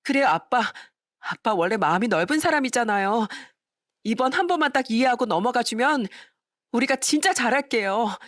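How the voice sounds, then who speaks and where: A woman's voice: on the high side, lively intonation, moderate pace, a bit bright, no echo, pitched above the performer's own voice. A sly young stepdaughter begs for another chance in a whiny, pleading tone, voiced by a woman narrator. The sound is close and dry. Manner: pleading, wheedling. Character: scheming young stepdaughter begging forgiveness.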